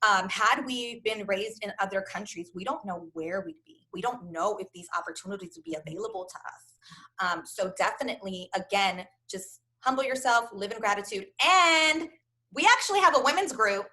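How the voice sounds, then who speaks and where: A woman's voice: mid-range voice, expressive, moderate pace, sharp tone, poor audio. An American woman speaking as a panelist in a casual motivational chat, with an enthusiastic, encouraging manner. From United States, first-generation Fijian family.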